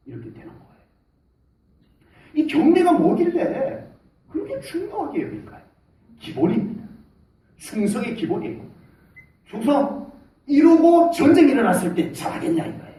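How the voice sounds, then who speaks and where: High-pitched, animated Korean pastor preaching. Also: male voice, slight background noise. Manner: animated, shouts military salutes, acts out soldiers. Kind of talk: sermon. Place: church sanctuary. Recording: echoey hall, mic from a distance.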